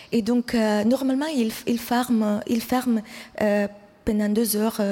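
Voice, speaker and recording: A woman is speaking with a fairly high pitch. Noticeable background noise can be heard. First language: Italian and Somali (speaking French). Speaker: writer. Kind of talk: interview. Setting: bookshop with live audience. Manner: halting.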